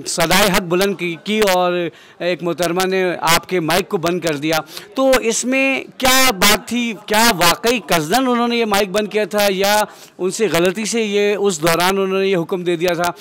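High-pitched man hosting an interview. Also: a crowd in the background. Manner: formal, devout greetings and long questions. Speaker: interviewer and host. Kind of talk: on-location interview. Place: outdoors near a shrine in Karbala.

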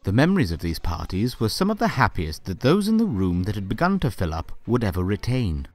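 A man's voice: on the low side, sing-song, brisk, darkish tone, faint music behind. A man narrating a scripted story for an audio drama.

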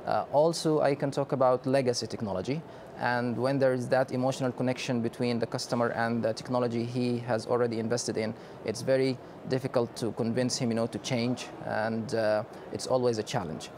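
A man in his thirties from Sudan, a company director answering questions in a conference interview, speaking in a measured way with frequent hesitations. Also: mid-range voice, fairly even intonation, background noise. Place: exhibition booth studio set.

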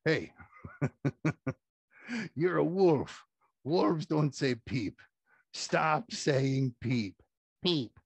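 A big, grumpy storybook bear talks in a slow, gruff, bossy way, voiced by a man. The recording is dry and close. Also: fairly high pitch, lively intonation, no room sound, full character voice.

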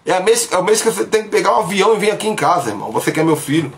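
A man's voice: high voice, lively intonation, racing, fairly bright tone, slight background noise. Emphatic preacher streaming from his bedroom. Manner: emphatic, gestures broadly, speaks to viewers directly. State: sick with covid, isolating. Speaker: pastor. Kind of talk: livestream preaching. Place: small bedroom at home. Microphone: phone camera at arm's length.

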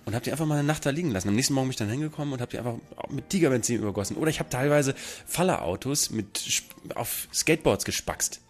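A man in a German comedy radio studio tosses out absurd tangents in a quick, chatty stream. His pitch sits mid-range for a man. Faint music plays underneath. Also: lively intonation. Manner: fast, absurd joking tangents. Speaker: radio host. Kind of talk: improvised comedy radio chat.

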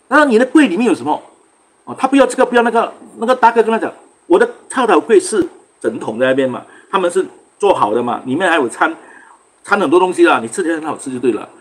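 A Singaporean man hosts a livestream in casual chat, with a fairly high, husky voice. He rushes through a story and swings his pitch widely, acting out both sides of a quarrel. English words slip into his speech. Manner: animated, acts out quarrels in raised voices. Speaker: livestream host.

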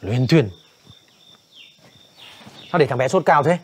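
A man's voice: medium pitch, lively intonation, slow, husky. An actor playing a stern man in charge who gives curt orders, in a television drama. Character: stern man in charge, caring for a sick child.

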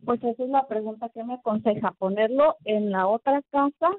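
A woman's voice: fairly high pitch, a little fast, dry recording, soft background music. A woman calling into an advice show, speaking hesitantly with many fillers, over a phone line. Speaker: caller.

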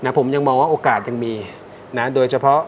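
A man's voice: medium pitch, steady tone, a little fast, muffled recording, slight background noise. A man hosting a live call-in astrology show, reassuring callers and repeating his key points. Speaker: astrologer host. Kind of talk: live call-in fortune reading.

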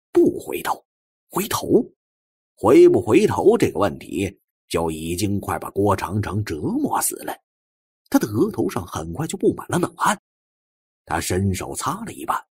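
A man's voice: fairly low pitch, husky, no echo, studio quality. A man giving a theatrical, suspenseful dramatic narration of a novel as an audiobook narrator.

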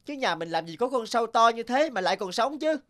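A voice actor playing an exclamatory market character in an animated folk-tale dub. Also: mid-range voice, quick pace, close to an everyday voice. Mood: scolding.

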